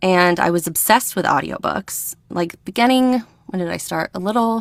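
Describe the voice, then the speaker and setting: In a slight northern US accent, a woman speaks at a moderate pace in a medium pitch. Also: ordinary pitch variation. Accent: slight northern US accent on some words. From Northern Virginia. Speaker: audiobook narrator. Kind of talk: casual chat.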